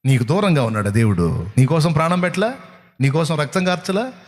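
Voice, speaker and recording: A male pastor delivers a sermon at a night prayer service. His voice sits a little high, and he preaches emphatically, firing off rhetorical questions. A long reverb tail hangs on every phrase in the hall. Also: sing-song, brisk. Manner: emphatic, rhetorical questions, big swings in pitch.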